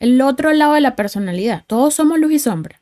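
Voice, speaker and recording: Lively intonation marks this woman's voice, which sits at a high pitch. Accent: Venezuelan. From Venezuela, Puerto Ordaz. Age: 30s. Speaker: violinist. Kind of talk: casual chat.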